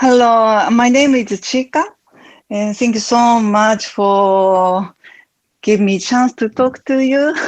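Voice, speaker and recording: In a Japanese accent, the speaker goes at a very slow pace with ordinary pitch variation and very even loudness. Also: woman, fairly high pitch for a woman. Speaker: aspiring life coach. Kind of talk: coaching conversation. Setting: Clubhouse audio room. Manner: halting, many fillers.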